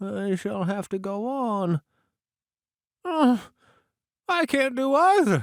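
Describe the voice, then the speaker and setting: A put-on character voice at a fairly high pitch moves at a very slow pace with long, frequent pauses, recorded very cleanly against a silent background. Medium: read story. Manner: soft, hesitant, fussy.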